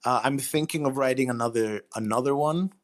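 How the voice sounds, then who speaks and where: A man being interviewed as a writer, explaining himself casually in a thoughtful, somewhat halting way. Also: mid-range voice.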